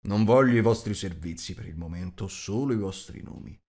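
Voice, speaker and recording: A man voicing a gruff, rude, huge shape-changer who growls and talks bluntly. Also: on the low side, a little fast, darkish tone, close to an everyday voice.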